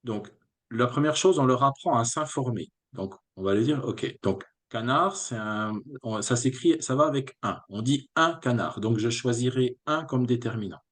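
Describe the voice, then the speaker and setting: A man's voice: mid-range voice, moderate pace. Man, webinar presenter, explanatory, step by step, fillers and restarts. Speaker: teacher trainer presenting a reading method.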